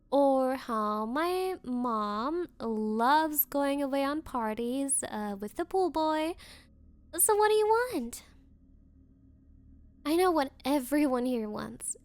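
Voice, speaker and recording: A woman's voice: sits high, no room sound. A woman playing a bratty, possessive, spoiled rich popular girl in an anime-style ASMR roleplay, with a condescending, coy valley-girl drawl. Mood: coaxing, entitled.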